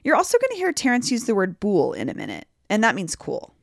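A woman host narrating a scripted news story in a clear, measured way. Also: medium pitch, wildly swooping pitch, no echo, clean studio sound. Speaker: podcast host. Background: music.

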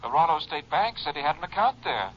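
An actor playing a polite, defensive bank official in a 1950s radio drama. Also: male voice, fairly high pitch, sing-song, brisk. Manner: polite, explanatory. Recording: dull, faintly noisy old radio recording.

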